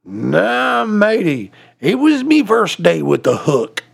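A man voicing a gruff old male pirate who growls his words. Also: high-pitched, huge pitch swings, takes it slowly, heavily acted.

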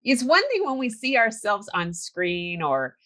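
A woman's voice: medium pitch, big pitch swings, unhurried, a bit bright. Chatty American woman hosting an interview. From California. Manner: chatty and upbeat, laughs often. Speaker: podcast host. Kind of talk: casual interview chat. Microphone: video call.

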